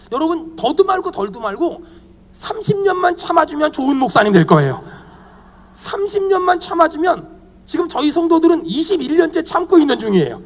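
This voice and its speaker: Animated pastor in his fifties, echoing hall. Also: very high voice. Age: 50s. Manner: animated, humorous, leads the congregation in repeating phrases. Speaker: guest pastor. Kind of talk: sermon at a church retreat. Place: church meeting hall.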